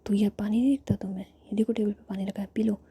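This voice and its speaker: A woman's voice: mid-range voice, steady tone, fast talker, dark tone, slight background noise, lightly acted. A woman whispering the lines of a strict, fussy father scolding his daughter. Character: strict, fussy father, middle-aged man.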